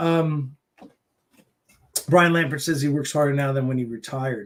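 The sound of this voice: A man speaks at a fairly slow pace, his pitch medium for a man. His pitch variation is ordinary.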